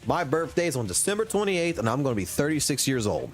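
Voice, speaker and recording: On a casual gaming livestream, a man in his thirties rants profanely and emphatically into a desk mic at his home setup. His voice is on the high side, very animated and fast, with faint music behind him.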